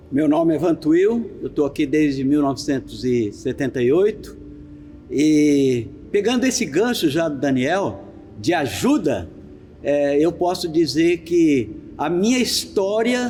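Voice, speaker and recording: Amid noticeable background noise, a man with a fairly high pitch speaks at a very slow pace with very wide pitch swings and very even loudness. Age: 70s. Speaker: longtime church member. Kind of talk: testimony.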